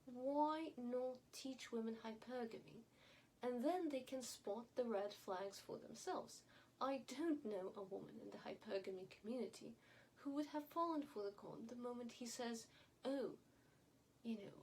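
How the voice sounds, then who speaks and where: A woman's voice: fairly high pitch, darkish tone, poor audio. A woman from Yemen, an English speaker, gives opinionated commentary to viewers with careful, emphatic elocution. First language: not English (English is her fourth language). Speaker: online commentator. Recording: clear background noise.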